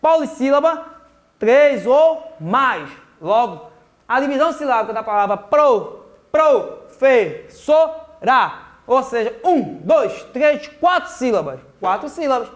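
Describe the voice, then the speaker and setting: A man's voice: very high-pitched, very animated, unhurried. A man with a Brazilian Portuguese accent teaching a remote grammar lesson to children, patient, repeating words and checking in often. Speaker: primary school teacher.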